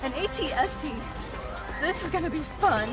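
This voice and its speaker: A woman acts as a plucky rebel woman pilot in a sci-fi audio drama. Her voice sits high, she talks in wry, gutsy quips, and loud music plays behind her. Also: expressive, moderate pace. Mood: tense, determined. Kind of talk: fan-made sci-fi audio drama acting.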